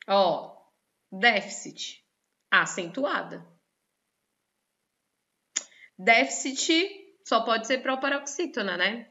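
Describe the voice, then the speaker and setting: A woman's voice: a little high, highs cut off. A woman teacher with a Brazilian Portuguese accent, explaining a lesson in an online class and often checking in with her students. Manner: lively, questions the students often.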